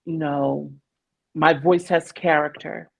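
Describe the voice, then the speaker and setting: A woman. She talks as a guest in an interview. She tells her story in an animated, reflective way, and laughs often. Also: low voice, slow pace, vocal fry, lo-fi sound. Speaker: guest, opera singer. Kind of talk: conversational interview.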